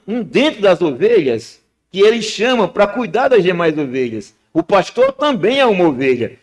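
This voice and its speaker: A man preaching a sermon in church as a guest preacher, telling stories with sudden swings between loud, high moments and low, quiet ones. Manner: storytelling, with sharp rises and drops in pitch and loudness.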